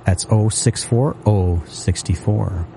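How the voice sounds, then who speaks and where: A man calling bingo numbers on local radio, repeating each one slowly and steadily. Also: fairly low pitch, vocal fry, mellow, slight background noise.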